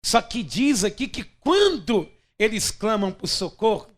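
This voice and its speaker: A man's voice: sits high, sing-song, a little slow. A man preaching an emphatic, dramatic sermon as pastor.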